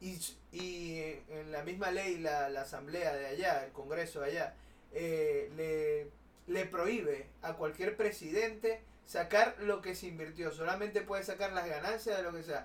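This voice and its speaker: A man with a high voice talks at a fairly slow pace, his pitch varying in an ordinary way over noticeable background noise. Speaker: podcast host. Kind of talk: interview.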